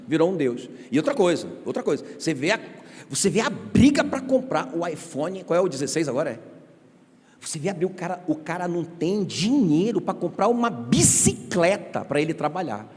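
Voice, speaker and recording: A male pastor preaching a sermon in an animated, conversational way, full of rhetorical questions and joking asides, in a church sanctuary. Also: fairly high pitch, moderate pace. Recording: reverberant church hall.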